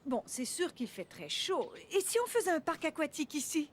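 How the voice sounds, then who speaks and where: A woman's voice: sits high, very animated, moderate pace, slight background noise. An actress playing a playful, encouraging mother of small children in a cartoon dub. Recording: music behind the voice.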